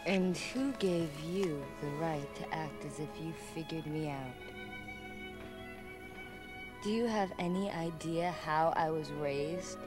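An actress playing a scornful, wounded young gypsy psychic in a dramatic video game cutscene. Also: female voice, sits low, unhurried, few pauses. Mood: scornful, bitter. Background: music.

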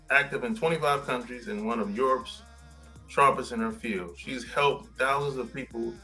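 A man's voice: mid-range voice, pushed and bright. A man hosting a conversational podcast interview over a video call. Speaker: podcast host. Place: small home room indoors.

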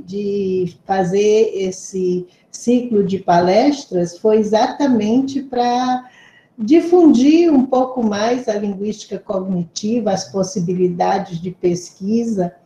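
A woman organizer giving slow, hesitant, complimentary closing remarks at an online lecture over a video call. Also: mid-range voice, warm tone, roomy sound, rough recording. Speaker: event organizer.

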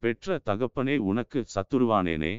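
A man's voice: medium pitch, animated, measured pace, clear, resonant tone, dry recording, close to an everyday voice. A man voicing a grief-stricken elderly sculptor who laments his lost daughter, in a dull, lo-fi audiobook recording. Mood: anguished. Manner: wailing, lamenting.

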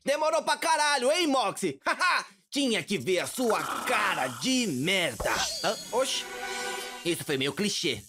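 A man's voice: high voice, very animated, a little slow. A man voicing a cocky, foul-mouthed imp boss in a cartoon fan dub, sarcastic and crude. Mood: mocking. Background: music.

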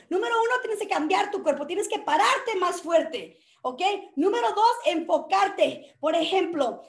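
A woman with a very high voice gives a motivational workshop from her home. She talks with lively energy, dropping English words into her Spanish as she coaches a group. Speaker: workshop host.

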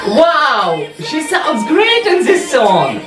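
A man's voice: very high-pitched, wildly swooping pitch, drawn-out words. Exuberant Ukrainian man in an echoey room. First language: Russian and Ukrainian. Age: young adult. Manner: exuberant, exclamatory, gesturing a lot. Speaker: music reaction YouTuber. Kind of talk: music reaction vlog. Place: small indoor room. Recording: roomy echo, faint music behind.

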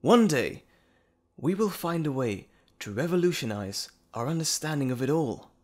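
A man's voice: fairly high pitch, very animated, moderate pace, darkish tone. A man playing an earnest, polite, bashful doctor and lecturer in an audio drama, articulate and formal. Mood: passionate. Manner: articulate, formal, eager to ramble. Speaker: voice actor in audio roleplay. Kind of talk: audio drama roleplay acting, addressing the listener.

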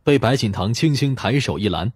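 A man's voice: medium pitch, animated, brisk, husky, dry recording, studio quality. A man reading a crime novel as a scripted, dramatic audiobook narration.

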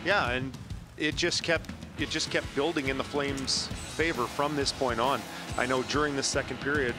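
A man in his forties giving hockey analysis from a TV studio desk with a handheld mic. He talks in a relaxed way and explains plays with hockey terms. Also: medium pitch, normal speed, music in the background. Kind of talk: sports post-game analysis.

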